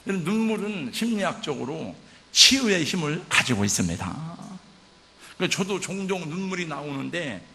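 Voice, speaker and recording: A man's voice: a little high, sing-song, moderate pace, creaky, bright, forceful tone. An older man, a pastor, preaching a sermon in a church with vivid, emotional storytelling. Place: church sanctuary. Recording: church hall reverb.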